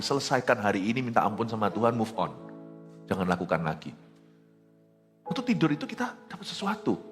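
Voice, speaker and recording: Man, middle-aged, lively preaching voice, faint music behind. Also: medium pitch. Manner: animated preaching with jokes and acted quotes, mixing in English phrases. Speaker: pastor. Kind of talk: sermon.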